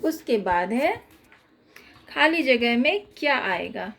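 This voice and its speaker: A woman's voice: a little high, sing-song, slow, gravelly, fairly bright tone, slight background noise. A woman teacher explaining a children's workbook lesson, reading out questions and patiently dictating the answers.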